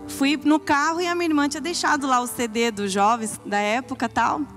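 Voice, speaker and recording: A young woman with a high, bright voice tells her church testimony in an earnest storytelling way, acting out what she once said. Soft music plays faintly behind her. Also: fairly even intonation, a little fast. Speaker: pastor's wife giving testimony.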